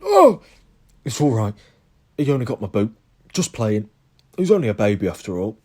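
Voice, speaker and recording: A man voicing a big, soft-hearted male gamekeeper who puffs and sobs fondly. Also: on the low side, wildly swooping pitch, normal speed. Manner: puffing, sobbing, fond.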